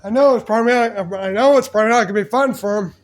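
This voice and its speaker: A man's voice: high voice, fast talker, slight background noise. A man voicing toy figures in silly improvised banter, playful and rambling. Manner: playful, rambling, switches between silly voices. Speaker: fan video voice actor for toy figures.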